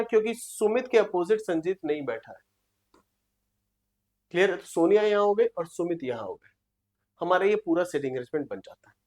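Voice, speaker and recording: A woman teaching a seating-arrangement reasoning lesson online, reading problem lines slowly and checking in with her students. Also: lowish voice, a little mellow. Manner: reads problem lines slowly and repeats them, checks with "clear?". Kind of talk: online exam-prep lesson.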